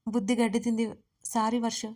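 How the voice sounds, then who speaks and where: A woman voicing a young man in a wheelchair, speaking quietly and soothingly in an audio storybook. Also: fairly high pitch, level tone, brisk, lightly acted. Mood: gentle.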